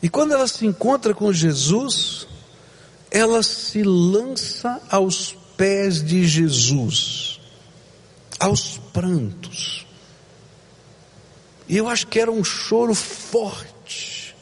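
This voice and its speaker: A male pastor preaching a sermon, with dramatic swings between loud emphasis and hushed, slow moments. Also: sits high, expressive, husky, in a large hall.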